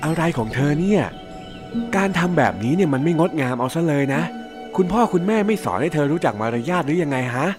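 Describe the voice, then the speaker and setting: A man's voice: a little high, lively intonation, a little fast, lightly acted. A fussy, disapproving animal, voiced by a man. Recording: music underneath.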